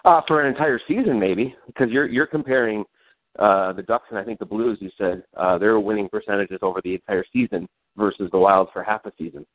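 A man talks through a casual sports podcast in a rambling, self-deprecating way, laughing as he goes. His voice sits a little low. The audio is dry and tinny, like it came over a phone line. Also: fairly quick, no echo. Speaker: podcast co-host.

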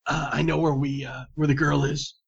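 A man's voice: a little high, flat delivery, moderate pace, creaky, breathy edge, muffled recording. A man voicing a wary, street-smart male agent in a tabletop game, cagey in casual tough talk.

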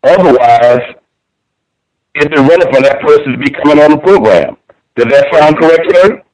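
Male radio host, pressing, repeats questions, a bit high pitched. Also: lively intonation, normal speed, a little mellow, poor audio. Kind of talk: call-in radio interview.

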